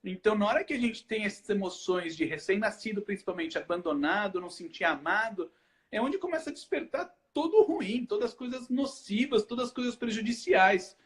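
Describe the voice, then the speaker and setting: A man's voice: high voice, lively intonation, fairly quick. A man from Brazil, a hypnotherapist hosting a casual live chat, explaining with rhetorical questions that he answers himself. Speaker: hypnotherapist host.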